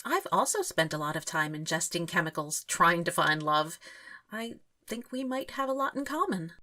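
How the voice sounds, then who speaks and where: Eager, bright-voiced young romantic. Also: female voice, lowish voice, sing-song, moderate pace. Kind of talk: audio drama acting.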